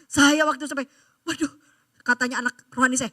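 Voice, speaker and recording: A woman pastor preaches to her congregation. Her voice sits high and rings very bright, telling stories with animation and pressing each point with emphasis. The sound is close and dry. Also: brisk, no echo. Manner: animated storytelling, emphatic exhortation. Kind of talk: sermon. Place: church service.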